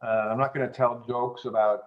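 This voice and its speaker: A man who grew up in German-speaking Europe, chatting as an interview guest in an unhurried way, with many fillers and restarts. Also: mid-range voice, flat delivery, phone-quality sound. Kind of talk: casual interview chat.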